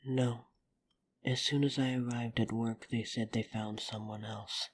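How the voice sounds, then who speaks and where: A woman playing a polite, steadfast vampire in a fantasy audio drama, earnest and soft-spoken, with a breathy half-whisper. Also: fairly even intonation, unhurried, no room sound, clean studio sound, exaggerated voice. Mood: firm, protective. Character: polite, steadfast young female vampire coffee house worker. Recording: noisy microphone with rumble and clicks.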